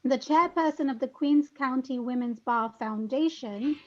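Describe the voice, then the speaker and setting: A woman's voice: sits high, a little slow, a little mellow, a little hiss or hum. A woman hosting an online meet-and-greet, reading an introduction and asking questions with effusive enthusiasm over a video call. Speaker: host. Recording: muffled lo-fi audio.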